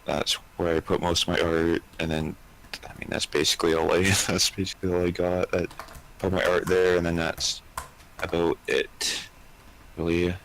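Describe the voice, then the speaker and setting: A man's voice: low-pitched, little pitch movement, a bit bright, slight background noise, poor audio. A young man calling in as a guest artist, teasing and swearing in casual chat. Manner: slow, gravelly, teasing with lots of swearing.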